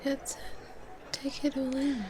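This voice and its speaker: A woman's voice: high-pitched, flat delivery, unhurried, noisy background. A woman voicing a proud, teasing elder female vampire in a whispered ASMR roleplay, soothing yet commanding. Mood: calm, instructive.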